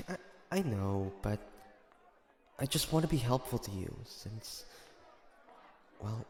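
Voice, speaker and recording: A man playing an earnest, emotional young hunter in an audio drama, speaking haltingly with stammers. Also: on the low side, animated. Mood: shy, earnest. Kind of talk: dramatic audio roleplay acting.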